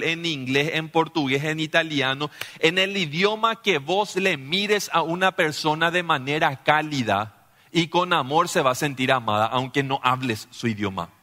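Bright-voiced preacher. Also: male voice, on the high side. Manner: animated preaching, often asks listeners "¿sí?". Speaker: pastor. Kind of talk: sermon. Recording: long hall reverb.

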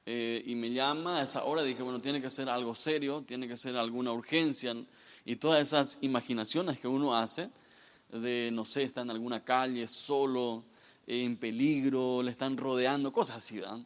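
A man in his thirties, a guest pastor, giving a lively, joking youth sermon straight to the audience. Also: mid-range voice, moderate pace. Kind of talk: youth sermon with humorous stories.

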